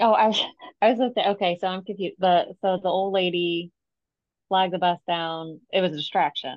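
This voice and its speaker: A woman with an American accent and an unremarkable speaking voice talks at a moderate pace, her medium pitch carried with fairly even intonation. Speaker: podcast guest. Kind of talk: casual chat podcast.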